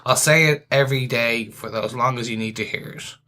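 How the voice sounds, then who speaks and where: A man's voice: mid-range voice, brisk, bright, forceful tone. A man co-hosting a podcast, speaking earnestly in casual review chat and often restarting his sentences. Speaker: podcast co-host.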